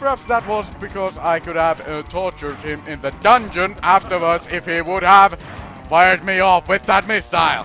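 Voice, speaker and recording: A man's raised, projected voice over music in the background. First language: not English. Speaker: let's play gamer. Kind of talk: gameplay commentary. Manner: halting.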